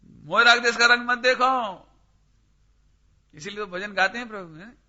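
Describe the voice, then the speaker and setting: A man's voice: high voice, normal speed, pushed and bright. A man teaching a scripture study class, questioning his listeners by name and pressing each point emphatically. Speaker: religious teacher. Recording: dull lo-fi recording.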